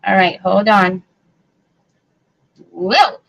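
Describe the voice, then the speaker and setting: A woman's voice: medium pitch, drawn-out words, vocal fry, highs cut off. A woman hosting a live crafting stream, chatting casually and answering viewer comments with lots of fillers and restarts. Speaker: craft livestream host.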